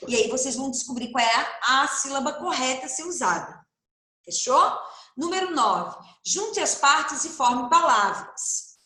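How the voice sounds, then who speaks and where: A woman with a Brazilian accent teaching a recorded lesson to first graders, speaking slowly and stressing each syllable in a sing-song way. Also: high voice, animated, pushed and bright. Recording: roomy echo.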